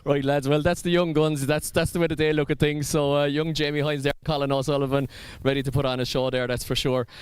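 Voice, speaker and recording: Irish male pit presenter, clear smooth voice, casual and upbeat, live outdoors. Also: on the high side, little pitch movement, fast, hardly any pauses, no echo. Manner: chatty, upbeat, fills with ums. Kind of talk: live event pit-walk interviews. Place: outdoors at a drift event.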